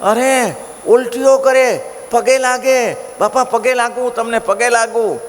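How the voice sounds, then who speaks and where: A man's voice: very high voice, steady tone, slow, voice pushed up. A man voicing an arrogant male ruler crying out in torment and begging frantically for mercy. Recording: long hall reverb, faint noise.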